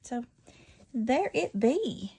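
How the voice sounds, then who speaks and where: A middle-aged woman hosting a casual jewelry-making tutorial, chatty and quick to correct herself. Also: fairly high pitch, very animated, gravelly, warm tone, slightly rough. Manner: chatty, self-correcting, laughs at her slips. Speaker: jewelry-making channel host.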